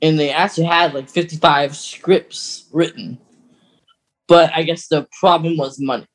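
A man's voice: a little high, fairly even intonation, unhurried, rough recording. A man co-hosting a podcast in casual, chatty conversation, explaining things like an enthusiast. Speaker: podcast co-host. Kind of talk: casual chat.

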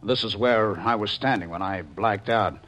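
An actor in a 1950s radio drama playing an inquisitive, level-headed police investigator with an earnest, probing manner. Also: male voice, fairly low pitch, moderate pace, fairly bright tone, natural voice.

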